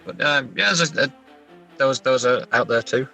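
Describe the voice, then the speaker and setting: Bright-voiced man chatting as interview guest. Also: mid-range voice, moderate pace, gravelly, soft background music. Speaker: guest author. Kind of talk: casual interview chat.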